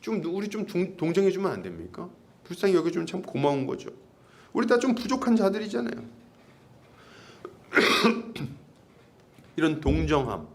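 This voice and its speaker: A pastor preaching a sermon in a conversational way, asking his congregation questions and acting out little bits of dialogue. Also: on the high side.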